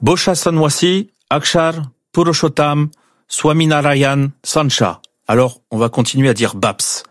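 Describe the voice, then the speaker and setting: A man presenting a news segment on morning radio, explaining the background in a measured way. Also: a little high, fairly even intonation, dry recording, studio quality.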